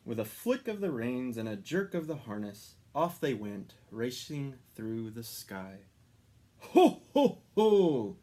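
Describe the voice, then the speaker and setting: A man reading a children's story aloud as an expressive narrator. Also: mid-range voice, unhurried, few pauses. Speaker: storybook reader.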